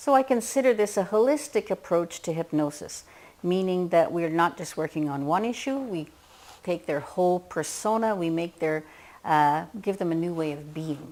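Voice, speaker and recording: At a moderate pace, a woman with a Canadian accent uses a fairly low pitch and lively intonation in a very clean recording with a silent background. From western Canada. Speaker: hypnosis trainer. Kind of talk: promotional video.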